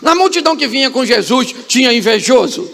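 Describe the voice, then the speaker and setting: A man's voice: very high-pitched, expressive, a little fast, creaky, fairly bright tone. A male pastor with a Brazilian Portuguese accent preaching a humorous, dramatic sermon in a church, quizzing the congregation with repeated questions. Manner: dramatic storytelling with sudden rises and drops.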